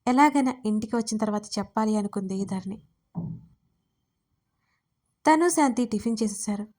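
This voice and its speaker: A woman reading her own romance story aloud as writer and narrator, in a steady, even storytelling manner. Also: mid-range voice, normal speed.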